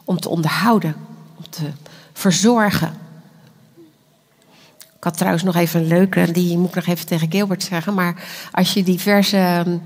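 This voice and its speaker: A woman giving an earnest, animated sermon, dropping now and then into quiet whispered asides. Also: fairly low pitch, moderate pace, pauses often. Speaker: preacher. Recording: echoey hall.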